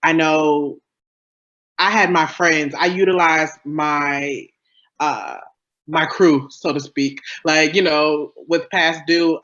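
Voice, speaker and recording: Man, fairly high voice, halting, encouraging, casual panel chat, muffled recording. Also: fairly bright tone. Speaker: audio drama creator on a panel. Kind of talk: casual chat, giving advice.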